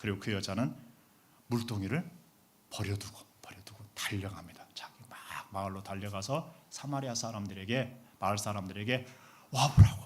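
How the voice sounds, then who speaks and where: A man speaks at a moderate pace in a fairly low, somewhat breathy voice with a calm, gentle tone and ordinary pitch variation. Long, frequent pauses and big swings in loudness stand out, with audible room echo around him. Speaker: pastor. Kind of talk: sermon. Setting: church. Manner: calm, gentle delivery.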